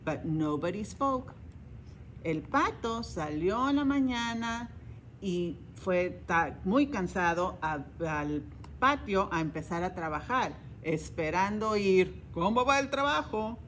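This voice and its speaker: Slow-reading bilingual storytime librarian woman. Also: on the low side, lively intonation, fairly bright tone, slight background noise. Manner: reads each line in English then Spanish, with animal sounds. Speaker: children's librarian.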